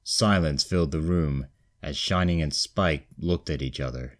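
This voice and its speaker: A man's voice: extremely low pitch, a little slow. A man narrating scripted comedic fan fiction as a storyteller, with music behind him. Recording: background music under the voice.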